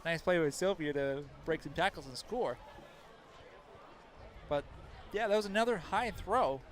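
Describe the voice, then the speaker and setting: Calling a local high school football game as the color man, he takes his time, breaking plays down in a friendly, talkative manner. He often backs up and restarts what he's saying, and there's a little background noise.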